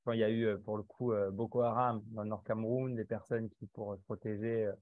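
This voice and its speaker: A man hosting an online live interview, friendly and quick to laugh, with frequent hesitant fillers. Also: fairly low pitch, flat delivery, dry recording. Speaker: host. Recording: dull, dry sound.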